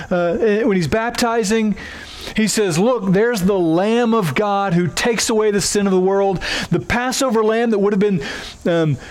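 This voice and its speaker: A middle-aged male pastor from Oklahoma with a twangy accent, preaching an earnest sermon that builds through scripture references. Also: high-pitched.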